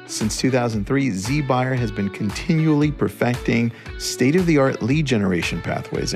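A man reading a scripted sponsor advertisement as an announcer. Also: on the high side. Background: guitar music.

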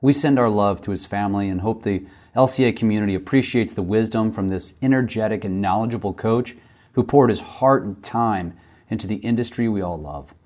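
A man reads a scripted introduction in a low, mellow voice. His delivery is solemn and measured. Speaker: announcer.

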